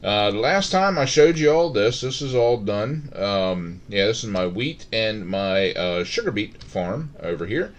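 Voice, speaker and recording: A middle-aged man talks through his game in a relaxed, meandering way. His voice sits a little low, and he trails off into fillers and restarts as he thinks aloud. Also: a little hiss or hum. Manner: rambling, halting, many fillers and restarts. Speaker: Minecraft let's-play host. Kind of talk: casual gameplay commentary.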